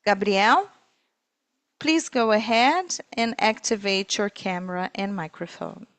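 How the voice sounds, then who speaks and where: A woman interpreting live on a corporate earnings call, speaking in halting, piecemeal phrases. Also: medium pitch, fairly bright tone, no room sound. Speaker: simultaneous interpreter.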